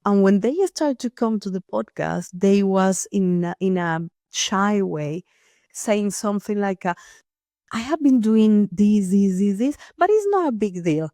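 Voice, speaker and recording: A woman's voice: medium pitch, animated, measured pace, warm tone, no echo, clean studio sound. Earnest woman host, nonnative phrasing. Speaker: podcast host, here the guest. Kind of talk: reflective personal storytelling.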